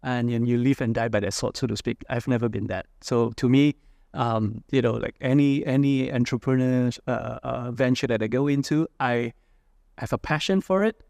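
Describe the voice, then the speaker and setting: Gravelly-voiced man from Indonesia, reflective. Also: mid-range voice, moderate pace, darkish tone, dry recording. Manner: reflective, many fillers and "right?" tags. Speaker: entrepreneur guest. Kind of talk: casual interview talk.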